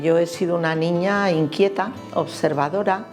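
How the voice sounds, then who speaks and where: A woman's voice: lowish voice, over loud music. A woman in her fifties from Spain with a Spain Spanish accent, giving a hesitant, reflective personal testimony. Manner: hesitant, many pauses and soft fillers. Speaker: interviewee giving faith testimony.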